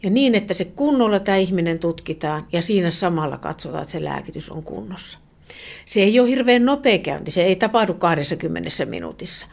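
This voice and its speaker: A woman professor speaking as an expert guest on the radio, her voice a little low. She explains earnestly, restarting often and letting her sentences trail off softly. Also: very animated, vocal fry. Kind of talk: radio interview.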